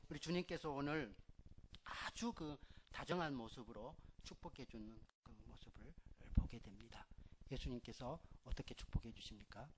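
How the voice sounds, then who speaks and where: A middle-aged man preaching a Sunday sermon as pastor, with loud stresses that drop to soft endings. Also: mid-range voice. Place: church sanctuary.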